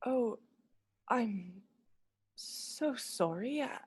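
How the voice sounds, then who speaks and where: A woman's voice: on the high side, lively intonation, very slow, darkish tone, slightly rough, exaggerated voice. An actress playing a sweet, chatty young Victorian lady in a radio play, confiding and dramatic in a girlish way. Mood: apologetic. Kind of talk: radio play acting and storytelling.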